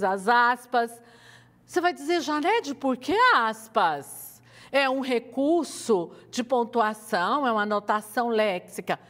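A woman's voice: a little high, a bit bright, in a large hall. A woman teacher with a Brazilian accent from Goiás, giving a televised lesson and coaxing her students with questions. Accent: Brazilian Portuguese, Goiás.

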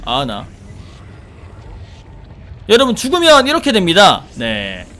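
A man giving joking let's-play commentary on a horror game, animated and easily startled, shouting in surprise. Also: sits high, slow. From South Korea. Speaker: gaming streamer.

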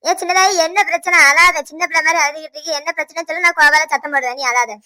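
A performer voicing an older village woman neighbor in a cartoon, lecturing the couple in a rapid Tirunelveli accent. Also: high-pitched, pushed and bright. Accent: Tirunelveli Tamil. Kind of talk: cartoon voice acting.

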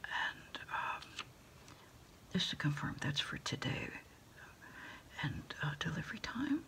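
A woman doing a quiet ASMR roleplay as a food delivery order taker on the phone, whispery and soft-spoken, with hesitant, halting phrases. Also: sits low, big pitch swings. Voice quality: whispery, breathy, mostly unvoiced. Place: small dim desk corner indoors.

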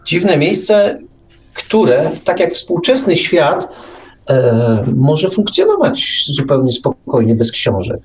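A male radio host in a casual, reflective literary discussion, often halting and repeating himself. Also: fairly high pitch, very animated, a little hiss or hum.

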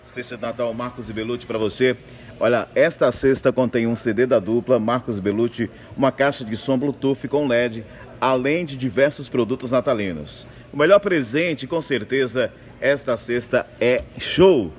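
Amid the clear bustle of a large supermarket, a man delivers a live hard-sell ad. His mid-range voice urges shoppers on, repeating key offers as an in-store announcer would. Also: medium pitch, normal speed. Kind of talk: live in-store advertising pitch. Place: large supermarket floor, indoors. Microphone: handheld microphone, phone video. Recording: clear store ambience noise.

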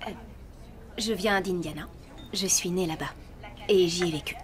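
A woman's voice: lowish voice, moderate pace, close to an everyday voice. Fields: a woman voicing a guarded young film star, evasive and light. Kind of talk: French dub of a TV film.

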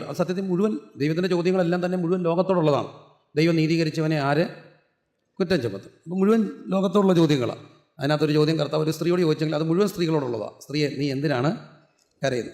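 A man's voice: a little high, darkish tone. A man with a Malayali accent preaching a sermon, asking questions and answering them himself. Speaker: pastor. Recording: echoey hall.

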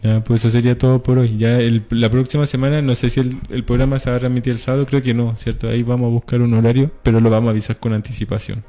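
A man hosts a casual talk show, relaxed and conversational. His voice is dark and mellow, with faint music behind him. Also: mid-range voice, fast, few pauses. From Chile. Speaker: host.

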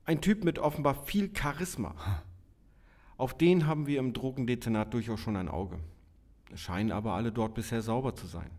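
A man acts out a middle-aged police officer and father in a crime audio drama. His voice sits at a medium pitch, and he talks in dialogue like an everyday colleague. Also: a little mellow, lightly acted. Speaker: police officer in drug squad.

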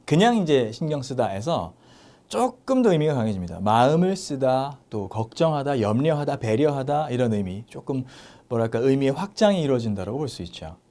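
A man teaching a short English lesson, slowing down to stress the English phrases he shows. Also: mid-range voice. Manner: animated, slows down and stresses English example phrases. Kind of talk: lively mini English lecture.

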